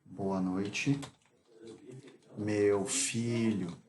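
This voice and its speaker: A man gives a slow, deliberate lesson in a fairly low voice, repeating each phrase so learners can follow. Faint noise and small clicks sit under the recording. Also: fairly even intonation, darkish tone. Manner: repeats each phrase slowly, drilling pronunciation. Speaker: English teacher.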